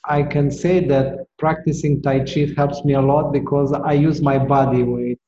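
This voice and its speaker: A man talking over a phone call in a casual conversation, halting and repeating words as he searches for them. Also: medium pitch, little pitch movement. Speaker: caller speaking with a Tai Chi teacher. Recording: muffled echoey call line with faint noise.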